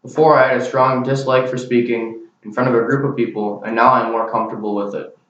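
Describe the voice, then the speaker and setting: A man's voice: medium pitch, little pitch movement, brisk, fairly bright tone. A young man giving a class speech to a camera, with an earnest, plain delivery. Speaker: student. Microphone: camera mic. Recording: very echoey, distant, dull camera recording.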